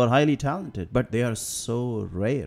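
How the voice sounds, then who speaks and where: Medium-pitched male speech with an Indian accent, at a moderate pace. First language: regional Indian language. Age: 40s. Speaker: freelancer and small business owner, podcaster. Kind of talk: solo podcast monologue. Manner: hesitant, many fillers.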